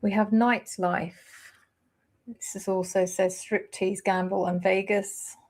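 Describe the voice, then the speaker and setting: Woman, tarot reader, live stream host, musing, hesitant fillers, mid pitch. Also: little pitch movement, slow pace, darkish tone. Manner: thinking aloud, hesitant fillers.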